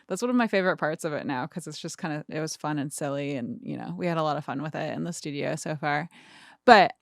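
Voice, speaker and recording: A woman's voice: low-pitched, fast talker, creaky, no room sound. A woman in her thirties hosting a casual music mixing tutorial, thinking aloud informally as she demonstrates, recorded close in a small studio. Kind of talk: casual screen-share tutorial talk.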